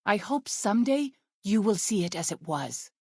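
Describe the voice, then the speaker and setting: Solemn, gentle tribal scout, dry close sound. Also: female voice, medium pitch, very animated, breathy edge, dry recording. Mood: gentle, earnest. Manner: measured, formal phrasing without contractions, earnest. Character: gentle, devout young tribal woman scout, solemn and wistful. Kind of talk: video game character dialogue.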